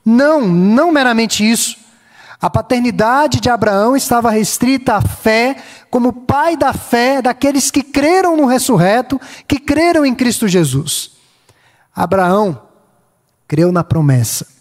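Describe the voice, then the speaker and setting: A Brazilian pastor with a Minas Gerais lilt delivers a sermon in a high, ringing tenor. He builds slow lists of phrases and lifts his voice on the words he wants to stress. The sound carries a long tail of reverb from a large church hall. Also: animated. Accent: Brazilian Portuguese, Minas Gerais. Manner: measured preaching, lists in slow cadence, rising emphasis on key phrases.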